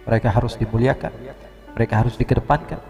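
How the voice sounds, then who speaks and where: A man with an Indonesian accent preaching a lively, humorous sermon, storytelling with acted quotes. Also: mid-range voice, fast, soft background music. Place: large mosque hall. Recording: reverberant hall.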